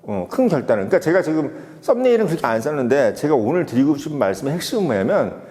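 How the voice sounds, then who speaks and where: A man's voice: fairly high pitch, very animated, quick pace, a little mellow, long reverb tail. A man giving an emphatic political opinion monologue, full of rhetorical questions. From Seoul. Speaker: political commentator.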